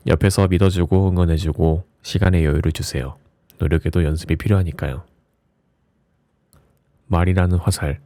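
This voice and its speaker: Deep, mellow man reading softly. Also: no room sound, clean studio sound. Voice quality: low, mellow voice. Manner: gentle, soothing bedtime delivery. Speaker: audiobook narrator. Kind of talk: soft ASMR audiobook reading of reflective essays.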